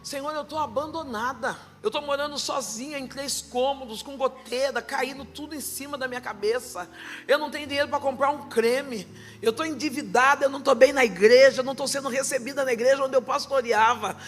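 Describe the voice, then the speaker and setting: A woman pastor preaching with fervor, her voice bright and forceful. She swings from quiet storytelling to shouted declarations. Soft music plays underneath. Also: high voice, brisk. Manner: impassioned preaching that swells into shouts. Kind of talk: sermon.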